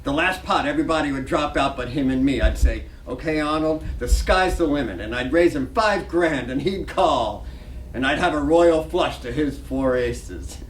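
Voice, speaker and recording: A lively, slightly high male voice, recorded at a distance, as a man acts out a dreamy hotel night clerk in a stage reading. He muses to himself, deferential and starstruck. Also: moderate pace, close to an everyday voice. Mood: awed daydreaming. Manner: musing to himself, eager and deferential. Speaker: actor in a staged play reading. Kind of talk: dramatic reading of a stage play. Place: library reading room. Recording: distant echoey room, faint noise.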